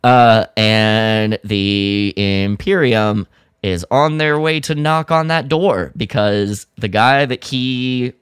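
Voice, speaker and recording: A man with a fairly low, very smooth voice co-hosts a casual podcast. He talks slowly and haltingly, often rephrasing as he recaps a story. The sound is close and dry. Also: dry recording. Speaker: podcast co-host. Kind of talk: casual chat recapping a radio drama.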